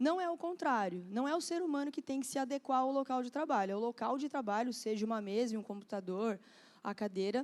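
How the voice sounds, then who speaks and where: A woman talks at a fairly quick pace in a high voice with ordinary pitch variation, on a very clean recording with a silent background and a dry, close sound with no echo. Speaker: professor. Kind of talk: lecture. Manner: fast.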